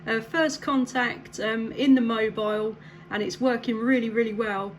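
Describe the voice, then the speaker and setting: A woman's voice: on the high side, fairly even intonation, normal speed. A woman CB radio operator making casual contact chat in an upbeat, encouraging way. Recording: clear background noise.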